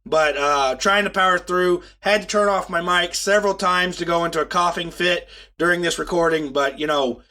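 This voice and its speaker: A man co-hosting a podcast whose voice sits high for a man and sounds nasal and stuffed up from a cold. He talks in an earnest, upbeat way to his listeners. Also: moderate pace, few pauses, sharp tone. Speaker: podcast co-host. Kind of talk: casual podcast chat.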